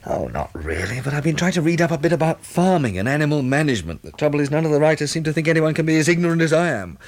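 An actor playing a practical, weary English survivor turned farmer, earnest and matter-of-fact, in a 1960s British radio drama. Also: male voice, fairly high pitch, big pitch swings, very fast. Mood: wry, reflective.

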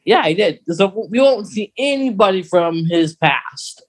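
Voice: medium pitch, animated, a little slow. Casual, rambling podcast co-host, mid-range voice. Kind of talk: casual chat about a radio drama.

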